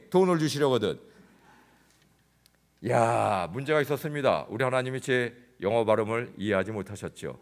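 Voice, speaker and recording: A man preaching a sermon as pastor, telling a comic story that swings between loud outbursts and hushed, intense passages. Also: lowish voice. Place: church sanctuary.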